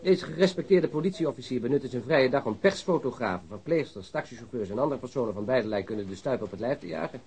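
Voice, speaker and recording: Wry detective: fast delivery, mid-range voice, dry mock-formal irony, radio drama. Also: male voice, mid-range voice, expressive, darkish tone, slightly rough. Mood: wry, indignant. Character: sardonic, wry male police colleague.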